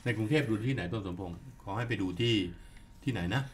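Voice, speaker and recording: Animated male podcast storyteller. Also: lowish voice, a little hiss or hum. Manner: animated, lists figures and numbers slowly. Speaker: podcast discussant. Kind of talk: casual storytelling chat.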